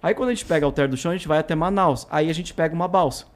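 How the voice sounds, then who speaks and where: Man, casual storyteller, talks at a racing pace, higher than most, theatrical quoted voices. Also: racing. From southern Brazil. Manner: animated, acts out quoted voices with big pitch jumps. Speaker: traveler telling road trip stories.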